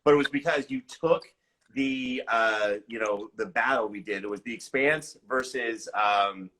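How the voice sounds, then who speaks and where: A man's voice: medium pitch, a little slow, pushed and bright, rough recording. A man hosting a podcast interview in casual chat, enthusiastic and complimentary toward the guest.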